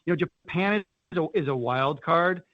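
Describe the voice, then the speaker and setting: A man's voice: on the high side, moderate pace, no room sound. Male executive on dull conference call audio. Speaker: company finance executive. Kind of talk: answering analyst questions on an earnings call.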